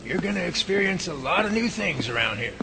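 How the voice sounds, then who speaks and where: An actor playing a research lab leader guiding a new team member around, explaining steadily. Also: male voice, high-pitched, a little fast, vocal fry, heavily acted. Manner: steady, explanatory tour guide. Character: Bigfoot lab head giving a tour. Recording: noisy home-made audio drama.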